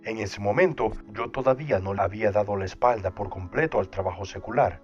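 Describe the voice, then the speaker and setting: A man's voice: on the low side, a little fast. A man reading a first-person account aloud in a solemn, devotional manner. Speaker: audiobook narrator. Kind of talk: scripted first-person narration. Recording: dull lo-fi sound with soft music behind. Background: soft background music.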